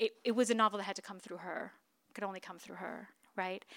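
In a Californian accent, a woman speaks at a medium pitch with fairly even intonation. The recording is very clean, with a silent background. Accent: Californian American. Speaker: novelist. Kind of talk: author reading and Q&A. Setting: bookstore stage with audience.

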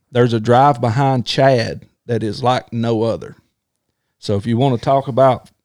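A man with a Southern US accent on a very clean recording with a silent background. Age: 40s. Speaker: podcast host. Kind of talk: casual chat. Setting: studio.

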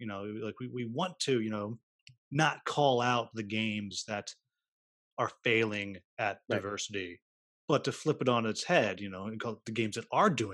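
A man with an ordinary speaking voice, medium pitch, ordinary pitch variation, big swings in loudness and a moderate pace, against a quiet background. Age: 30s. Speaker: board game reviewer and video podcast host. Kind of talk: casual chat.

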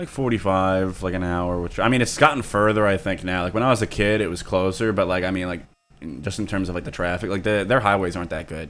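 A man's very deep, low voice at a very fast pace. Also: ordinary pitch variation. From Pennsylvania, Coatesville near Philadelphia. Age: 20s. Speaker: comedian. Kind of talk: casual chat.

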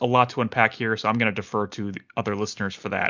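A man's normal speaking voice, fairly low in pitch, at a fairly quick pace. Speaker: podcast listener. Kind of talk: voicemail feedback. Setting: recorded voicemail.

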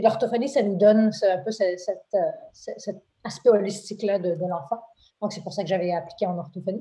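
Her loudness swinging widely, a woman speaks at a moderate pace and medium pitch with ordinary pitch variation, her somewhat breathy tone dark and mellow. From Quebec. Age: 30s. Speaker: healthcare executive. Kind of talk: interview. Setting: live recording. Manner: energetic.

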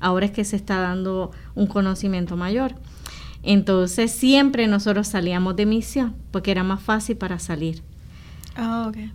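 Her pitch is medium for a woman, and her intonation stays fairly even. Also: moderate pace. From Puerto Rico. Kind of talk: interview conversation.

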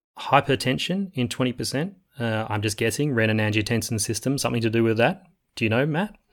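The speech comes very fast, with ordinary pitch variation and an Australian accent. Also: man, medium pitch for a man. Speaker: radiologist podcast host. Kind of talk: reading aloud. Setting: video call.

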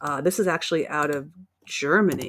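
This woman has a very deep, low pitch and an American accent, speaking at a moderate pace with ordinary pitch variation. The recording is very clean, with a silent background. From United States. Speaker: radio host. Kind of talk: solo monologue broadcast.

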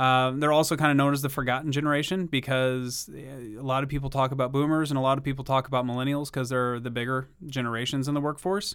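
Talking at a very fast pace, a man with an American accent keeps a monotone, flat intonation. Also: medium pitch for a man, hardly any pauses. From Missouri, US Midwest. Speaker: accounting trainer and consultant. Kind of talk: interview. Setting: studio.

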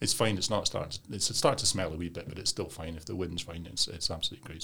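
A man with a Scottish accent, very deep and low in pitch, at a very fast pace. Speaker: podcast host. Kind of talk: casual comedy chat. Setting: studio.

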